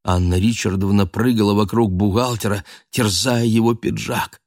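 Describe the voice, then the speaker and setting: A man narrating a literary audio drama in a measured storytelling manner. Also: fairly low pitch, fairly even intonation, a little mellow, no room sound, clean studio sound.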